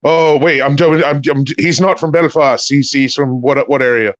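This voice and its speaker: A man's voice: on the high side, steady tone, moderate pace, no room sound, highs cut off. A man joking as a stream guest, playing a celebrity persona with a put-on Irish accent. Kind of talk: casual banter in character.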